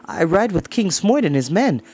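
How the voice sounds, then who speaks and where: A man's voice: high voice, sing-song, normal speed, darkish tone, slightly rough, voice pushed up, full character voice. A man reading a storybook aloud and voicing an earnest young pig keeper who pleads his case respectfully.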